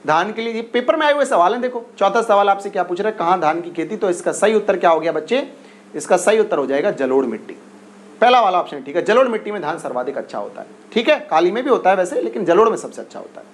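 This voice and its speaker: A man teaching an exam-prep class in a high, bright-toned voice. He repeats each question several times and keeps urging his students to answer fast. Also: lively intonation. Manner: repetitive, coaxing, drills questions and urges quick answers.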